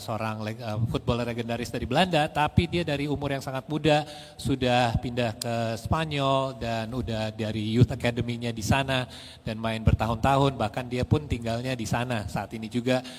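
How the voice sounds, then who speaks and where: Male moderator-interpreter, medium pitch, chatty and rephrasing, heard with long hall reverb. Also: steady tone, brisk. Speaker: interviewer and interpreter at a press event.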